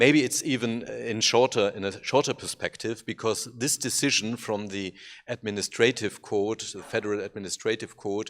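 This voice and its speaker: A man with a German accent speaks at a moderate pace in a medium pitch, with fairly even intonation and hardly any pauses, on a very clean recording with a silent background. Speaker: law professor. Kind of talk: panel discussion. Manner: halting, many fillers.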